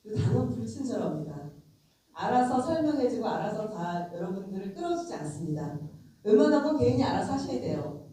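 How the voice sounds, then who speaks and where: Despite a cold, a middle-aged woman lawmaker lectures frankly and emphatically, addressing her listeners directly in a conversational way. Her mid-range voice is very animated, fairly quick, and dark-toned. A distant mic in the very echoey convention center lecture hall adds a little hiss or hum.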